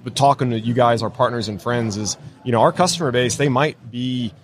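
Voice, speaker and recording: A man's voice: mid-range voice, fairly quick, slight background noise. A man hosting a podcast interview at a convention, enthusiastic and rambling, with many restarts and fillers. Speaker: podcast host. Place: convention floor.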